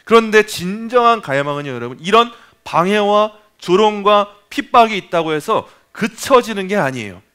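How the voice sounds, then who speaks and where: A man preaching a sermon at a Friday evening prayer meeting, emphatic and animated, acting out voices. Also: high-pitched, normal speed, hardly any pauses, smooth.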